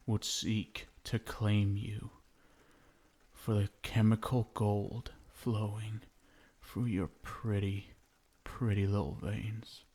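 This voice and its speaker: A man playing a possessive, lovestruck vampire husband in an intimate ASMR roleplay, crooning softly with tender pet names and a gravelly edge. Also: on the low side. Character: possessive, lovestruck yandere vampire husband, menacing yet doting.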